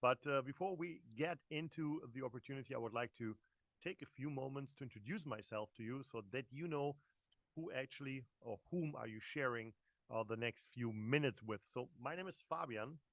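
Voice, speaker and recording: A man's voice: mid-range voice, normal speed, a bit bright, no echo. A man in his forties with a German accent, giving a chatty live online business presentation, talking straight to his audience with many fillers and restarts. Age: 40s. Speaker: network marketing presenter.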